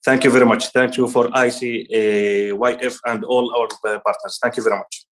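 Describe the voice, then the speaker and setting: A man in his thirties from Palestine gives earnest remarks on a video call. His voice sits at a middling pitch, and his speech is halting, full of restarts. He gestures as he speaks, from an office. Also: level tone. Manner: gestures with hands while talking. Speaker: guest speaker. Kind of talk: online ceremony remarks.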